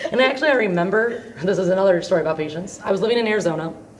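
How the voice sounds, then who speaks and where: A woman's medium-pitched voice at a very fast pace with ordinary pitch variation, amid noticeable background noise and audible room echo. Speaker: teacher. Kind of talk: casual chat.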